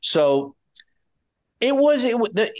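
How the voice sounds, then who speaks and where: A man's pitch swings very widely. The background is quiet. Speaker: voice actor. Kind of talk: interview answer. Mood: warm, reflective. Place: home room. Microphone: video call.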